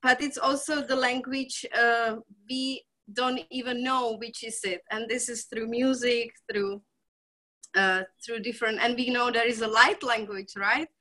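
Czech lady, native czech, high bright voice, effusive and chatty, halting english. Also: fairly even intonation. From Czech Republic. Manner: warm, effusive, frequent laughter, halting non-native English. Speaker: healer and shaman guest. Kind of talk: conversational interview.

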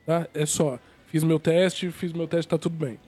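A man hosts a live interview, his fairly high voice stuffed up and a bit nasal from a cold. He talks hesitantly, circling back with fillers and restarts. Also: fairly even intonation, measured pace, mellow, breathy edge, soft background music. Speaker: host of a live show.

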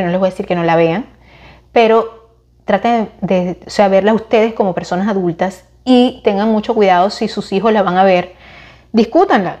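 A woman in her forties with a Venezuelan accent talks casually to the camera and shares her opinions. Her voice sits in a middle pitch range. She speaks in a chatty, expressive way, often restarting her sentences. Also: dull audio. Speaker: vlogger recommending series and films.

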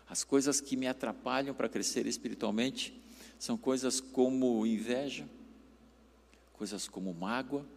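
A man from Curitiba in southern Brazil, whose first language of literacy was German, preaches as a pastor in German-accented Portuguese. His fairly low, slightly mellow voice delivers a conversational sermon with anecdotes, recorded in a reverberant hall.

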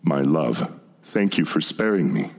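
In a long reverb, a humbled, fearful king of audio drama. His low voice is slow and husky, cowed before his lover. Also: big pitch swings, exaggerated voice.

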